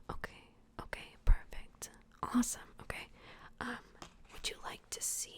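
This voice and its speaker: A woman whispers, leaving long, frequent pauses. Her loudness swings widely. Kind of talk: ASMR roleplay, soft-spoken personal attention. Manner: soft-spoken, whispering.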